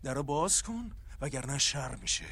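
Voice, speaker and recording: A man's voice: medium pitch, very animated, background noise. An actor playing a pushy, hot-tempered young man who bullies and threatens, repeating himself. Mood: menacing. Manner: bullying and menacing, repeats himself.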